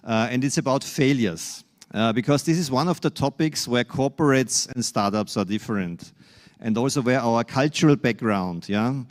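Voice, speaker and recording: A man from Austria with an Austrian accent giving a conference keynote, halting with many fillers and restarts, and wry self-deprecating humor. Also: medium pitch. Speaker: keynote speaker.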